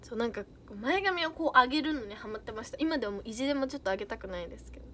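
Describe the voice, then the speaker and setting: Bubbly high-voiced young woman streamer. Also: expressive, rapid-fire, pushed and bright, slight background noise. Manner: bubbly, giggly, chatty. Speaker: idol livestreamer. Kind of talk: casual livestream chat reading viewer comments.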